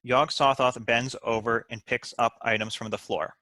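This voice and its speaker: A man's voice: medium pitch, fairly even intonation, normal speed, pushed and bright, no room sound. A man reading stage directions as scripted narration at a table read.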